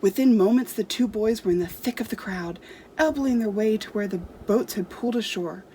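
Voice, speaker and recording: A woman's voice: mid-range voice, brisk, warm tone, a little hiss or hum. A woman storyteller reading a storybook aloud to children expressively.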